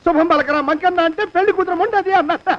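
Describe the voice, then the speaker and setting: An older actor playing a scheming, cowardly boss who pleads and haggles in a film comedy. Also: male voice, very high voice, fast, fairly bright tone, muffled recording. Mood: flustered. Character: scheming, cowardly old male boss being blackmailed. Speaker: film character, a rich boss. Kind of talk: Telugu film comedy dialogue.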